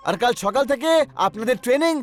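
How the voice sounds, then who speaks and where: A man's voice: very high voice, animated, fast talker. A man voicing an earnest young cartoon hero who instructs villagers in a children's cartoon dub. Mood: earnest, determined. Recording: music behind the voice.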